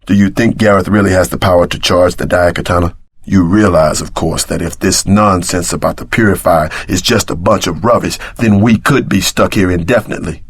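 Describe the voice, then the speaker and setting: An actor playing a tough, streetwise, wisecracking action sidekick in a video game, with a husky voice and gruff, slangy delivery. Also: male voice, sits low, fairly even intonation, brisk. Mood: gruff, sardonic.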